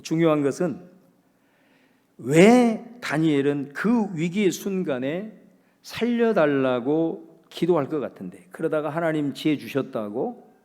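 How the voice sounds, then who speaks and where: A male pastor delivering a dramatic sermon, swinging between loud proclamation and hushed, quiet speech. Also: on the high side, in a large hall.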